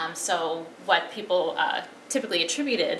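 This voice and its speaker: A woman's fairly low voice amid audible room echo and light background noise. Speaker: behavior analyst giving guest lecture. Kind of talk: lecture. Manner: loud; many filler words. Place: classroom. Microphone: lapel.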